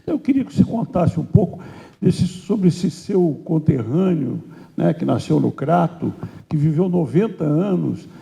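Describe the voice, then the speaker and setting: A man, interviewing a writer conversationally in an auditorium, with a halting delivery. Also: on the high side, lively intonation, vocal fry, mellow. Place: indoor auditorium, live event.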